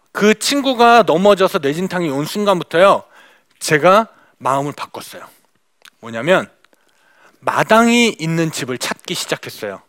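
A woman missionary gives a testimony talk to a church audience, addressing them directly and acting out the dialogue she remembers. Her fairly low voice is a bit bright, recorded at studio quality with no room sound.

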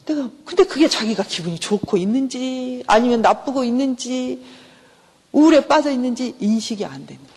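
In an animated, fairly high voice that is a little mellow with a breathy edge, a middle-aged woman professor teaches counseling in a conversational university lecture. She asks questions, answers them, and performs quick everyday exchanges in different voices; the hall adds long reverb.

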